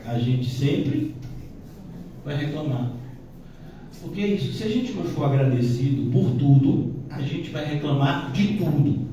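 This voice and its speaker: A man's voice: a little high, expressive, normal speed, dark tone, a little hiss or hum. A male pastor teaching a Bible-study sermon in a conversational manner, dotted with "né?" asides. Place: church hall. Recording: echoey church hall, distant mic.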